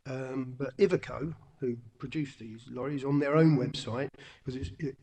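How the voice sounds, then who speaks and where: A man's voice: medium pitch, creaky, darkish tone. A man with an English accent, a councillor speaking off the cuff at a planning committee, hesitant and full of ums. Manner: hesitant, lots of ums, conversational. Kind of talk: unscripted committee remarks. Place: council chamber. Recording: council webcast with long hall reverb.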